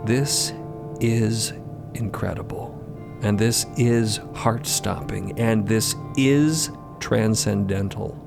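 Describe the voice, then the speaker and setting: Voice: medium pitch, creaky. A narrator telling a scripted audio drama in dramatic style.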